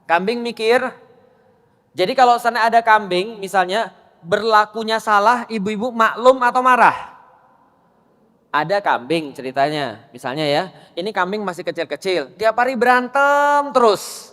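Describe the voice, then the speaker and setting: A male preacher with a notably high voice, giving a sermon to a gathering of women. He keeps quizzing them with quick questions, and the long echo of a hall hangs behind his words. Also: fairly bright tone. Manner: quizzes the audience with rapid questions. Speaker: Islamic preacher.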